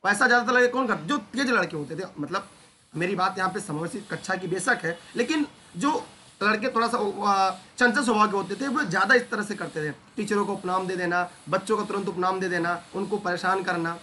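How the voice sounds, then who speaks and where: Bright-voiced man teaching an online class. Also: high-pitched, brisk, slight background noise. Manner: lively, asks the class questions directly. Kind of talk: online exam-prep lecture.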